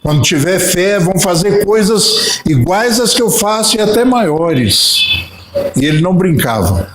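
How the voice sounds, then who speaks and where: High-voiced Brazilian man lecturing, echoey. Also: sing-song, a little slow, fairly bright tone, slight background noise. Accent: Brazilian Portuguese. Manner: storytelling with acted-out dialogue. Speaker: spiritist lecturer. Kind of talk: spiritist lecture.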